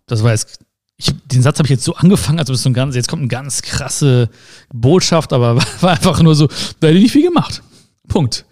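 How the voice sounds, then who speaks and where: This casual motivational speech comes from a man with a mid-range voice who speaks fairly quickly. He engages the listener head-on with rhetorical questions and playful sound words, all in an animated way.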